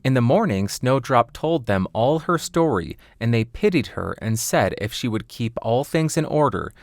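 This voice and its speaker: A man's voice: mid-range voice, lively intonation, moderate pace, dry recording, clean studio sound. A man reading a scripted fairy tale as an audiobook narrator.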